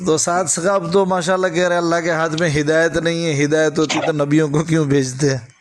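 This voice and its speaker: High-pitched, persistent man. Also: flat delivery, fairly quick, a little hiss or hum. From Gujarat, India. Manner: persistent, talks over the other man, honorific-laden address. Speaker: caller questioning a cleric on a recorded phone call. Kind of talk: argumentative phone conversation. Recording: recorded phone call.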